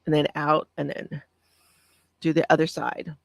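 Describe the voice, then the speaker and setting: A woman with a soft, calming voice talks gently through breathing exercises on a live stream. Her tone has a slight gravelly edge, and the sound is dry and close. She pauses often and answers viewers as she reads along. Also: deep voice, dry recording. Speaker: craft channel host.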